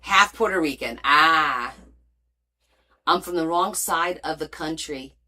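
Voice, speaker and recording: A woman's voice: low-pitched, slow pace. A woman from Portugal raised in New Jersey, with a light New Jersey accent, hosting a casual crafting livestream and chatting with viewers. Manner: chatty, reads viewer comments aloud, lively rises and soft asides. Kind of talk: casual chat while crafting.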